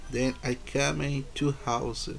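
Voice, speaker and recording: A man with a Brazilian accent, a native Portuguese speaker, haltingly reading aloud as an English learner and repeating words and phrases. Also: medium pitch, level tone, vocal fry. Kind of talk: halting read-aloud pronunciation practice.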